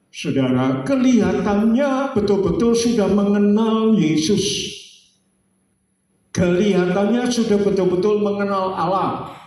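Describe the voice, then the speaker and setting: Elderly male pastor in his 70s, slow sing-song sermon delivery, mellow tone, heard from afar in a booming church hall. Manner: drawn-out, sing-song preaching with homely jokes. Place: church sanctuary. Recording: very echoey church hall, distant mic.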